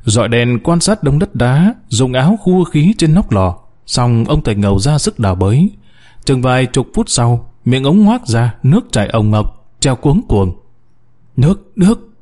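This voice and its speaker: A man narrating an audiobook story in a dramatic, expressive way. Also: mid-range voice, normal speed.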